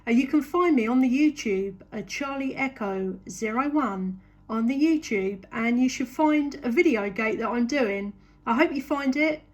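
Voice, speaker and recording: A woman with a southern English accent chatting casually as a CB radio operator, polite and full of thanks. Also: on the high side. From England. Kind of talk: casual radio contact chat.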